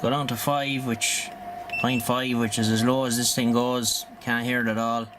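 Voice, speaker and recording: A man's voice: mid-range voice, level tone, moderate pace, background noise. Rambling middle-aged man at a workbench. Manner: rambling, full of ums and you-knows, plain-spoken. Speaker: radio hobbyist channel host. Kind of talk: casual hands-on demonstration.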